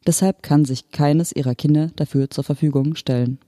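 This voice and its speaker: A reader voicing an unfeeling hologram official who speaks in a calm, matter-of-fact, bureaucratic manner. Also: mid-range voice, moderate pace, dry recording, clean studio sound, close to an everyday voice. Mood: detached. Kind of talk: audiobook character voice.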